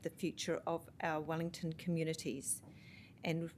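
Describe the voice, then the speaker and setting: This woman talks at a moderate pace. She has a New Zealand accent. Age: 60s. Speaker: public submitter at council hearing. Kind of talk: public submission at council hearing. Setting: council committee meeting. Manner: halting, many fillers and restarts.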